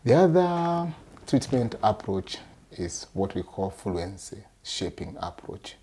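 A middle-aged man from Kenya, a speech therapist, explaining treatment in an earnest, halting way in a small office, recorded by a camera across the desk. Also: fairly low pitch, big pitch swings, dark tone, slight background noise. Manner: earnest, repeats yes often, halting phrasing. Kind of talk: explaining in an interview.

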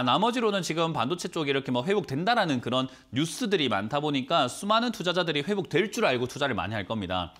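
A man in his thirties with a cold, a stock market mentor on a studio call-in show, talking quickly and asking many rhetorical questions. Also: mid-range voice, fairly bright tone. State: has a cold. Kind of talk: financial advice call-in show.

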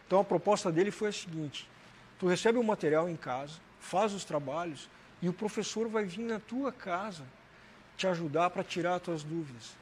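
A man's voice: high voice, normal speed, darkish tone, slight background noise. A man in his forties with a southern Brazilian accent from Santa Catarina, telling his personal story conversationally as a guest in a TV interview. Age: 40s. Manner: conversational, frequent "né" and "cara" tags. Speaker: interview guest, motivational speaker. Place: TV studio, indoors. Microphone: lapel mic.

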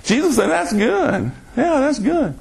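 A man delivers a slow, deliberate sermon in a high voice, and his pitch leaps up and drops away for emphasis. He quotes scripture and keeps asking the listener pointed questions. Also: very animated, creaky, darkish tone. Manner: preaching with rhetorical questions and scripture readings. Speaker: preacher. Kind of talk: sermon podcast.

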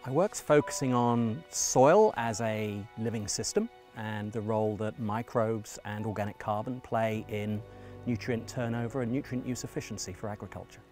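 Brief: male scientist, lowish voice, fluent measured delivery, faint music bed. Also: a little mellow. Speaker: soil scientist.

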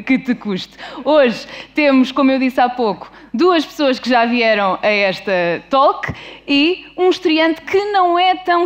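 A woman with a European Portuguese accent hosts a live talk in an informal, teasing way. Her voice sits slightly high. The sound is a little dull and muffled. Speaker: host and moderator. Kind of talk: lively panel moderation before an audience. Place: live stage with audience.

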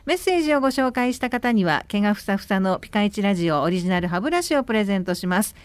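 A woman's voice: medium pitch, expressive, racing, no echo. A woman co-hosting a radio show as an announcer, moving between chat and announcements. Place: radio studio.

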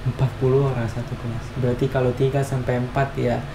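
A man's voice: medium pitch, flat delivery, fast. A young man hosting a casual vlog chat and asking questions. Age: young adult. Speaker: vlog host. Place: small home kitchen, indoors. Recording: echoey kitchen, noticeable background noise.

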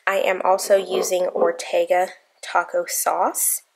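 A woman's voice: on the low side, flat delivery, a little slow, a little hiss or hum. Chatty young woman in a home kitchen. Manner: chatty, explains each step to viewers. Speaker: vlogger. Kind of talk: casual cooking vlog.

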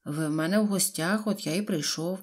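A woman doing a calm polite homeowner. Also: high-pitched, fairly quick.

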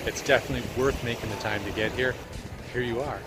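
A man's voice: mid-range voice, fairly even intonation, fast, very noisy. Upbeat man giving a travel vlog tour. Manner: upbeat, playful tour-guide narration. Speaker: geocaching vlogger host. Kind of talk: travel vlog with voice-over narration. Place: outdoors at seaside and trails. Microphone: handheld camera at arm's length.

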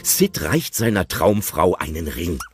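Chatty male narrator, lively delivery. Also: sits low, measured pace, husky, soft background music. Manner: chatty, playfully commenting. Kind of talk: scripted audio drama narration.

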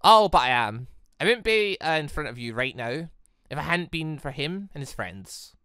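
A woman's voice: sits low, animated, normal speed, fairly bright tone, no room sound, clean studio sound. A woman voicing a wounded, self-reproaching but defiant young maiden in a visual novel, brooding and dramatic.

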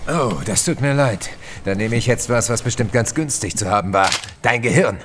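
An actor playing a tough, determined demon hunter in a horror audio drama, terse and dryly sardonic. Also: male voice, medium pitch, normal speed, heavy background noise, natural voice. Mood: grimly sardonic.

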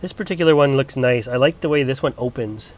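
A man's voice: mid-range voice, fast. A man getting over a cold, chatting loosely with lots of ums as he films his plant collection. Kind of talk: casual filmed walk-through. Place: indoor grow area under bright lights.

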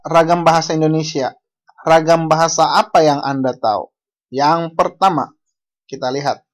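An unhurried lecturer from Bali teaches a class over a video call, pausing often to put questions to the students. Their pitch sits in the middle, and they talk slowly and deliberately, restarting words mid-sentence. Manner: unhurried, asks the class questions, self-correcting. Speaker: university lecturer. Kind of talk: online language lecture.

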